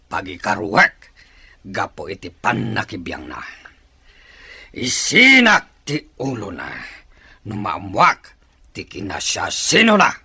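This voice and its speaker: A man's voice: lowish voice, wildly swooping pitch, slow, long pauses, pushed and bright, slightly rough, heavily acted. A man playing a commanding, vengeful tribal chief in an Ilocano drama film. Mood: grim, scheming.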